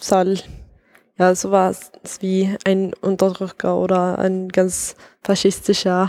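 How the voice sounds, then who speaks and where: Someone with a Swedish accent speaks very slowly at a very even loudness on a very clean recording with a silent background. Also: woman. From Sweden. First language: Swedish (speaking German). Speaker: exchange student. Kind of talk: casual chat. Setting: in a museum exhibition. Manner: halting.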